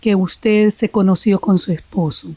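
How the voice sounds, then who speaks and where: A woman's voice: mid-range voice, fairly even intonation, a little slow, dry recording. A woman hosting a faith podcast interview, asking questions in a formal, courteous way. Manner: formal, courteous, soft listening murmurs. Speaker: podcast host.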